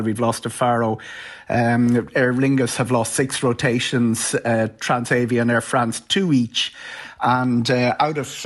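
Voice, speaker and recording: A man with an Irish accent giving an explanatory live radio news interview as a travel commentator, informal and somewhat stop-start. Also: mid-range voice.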